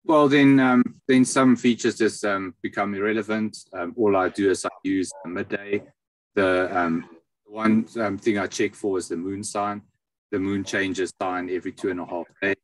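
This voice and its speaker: Low-voiced man, halting delivery. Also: rough recording. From South Africa. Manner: halting, pausing often mid-phrase. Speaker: interview guest, astrologer and palm reader. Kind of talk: explanatory interview talk. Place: video call.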